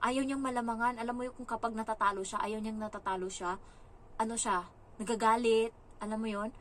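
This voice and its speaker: A young woman from the Philippines, working as a household caregiver, tells stories in a casual vlog and acts out what people said in a raised, lively voice. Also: a little high, fairly quick. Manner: animated, acts out quoted lines in a raised voice.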